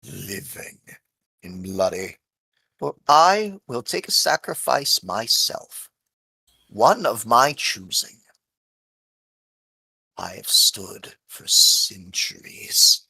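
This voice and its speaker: An ancient, menacing tree woman guards her ground in a tabletop fantasy game, played by a man. This talking tree speaks very slowly and solemnly, in a slightly muffled, dry voice. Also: on the low side, very animated, vocal fry, sharp tone, husky, dry recording, exaggerated voice. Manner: slow, menacing talking-tree delivery with archaic solemn phrasing.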